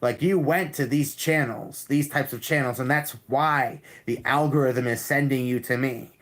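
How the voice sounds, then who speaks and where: Guy doing tarot on a livestream, pretty flat even voice, calm, says things twice. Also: medium pitch, normal speed. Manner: calm, repetitive, with many restarts. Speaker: tarot reader streamer. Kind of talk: live-stream tarot reading and chat.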